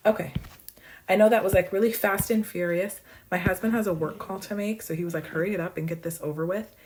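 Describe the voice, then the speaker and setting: A woman math professor losing her voice, hoarse but brisk and bubbly as she rushes through exam solutions with playful asides. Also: on the low side, steady tone, noisy background. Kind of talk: fast exam walkthrough.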